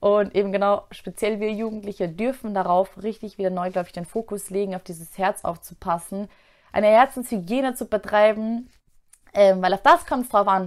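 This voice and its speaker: A woman at a moderate pace, with ordinary pitch variation and a quiet background. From Austria. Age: 20s. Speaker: youth presenter sharing faith reflection; youth faith vlogger. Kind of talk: casual religious testimony monologue. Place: home room. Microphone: lapel.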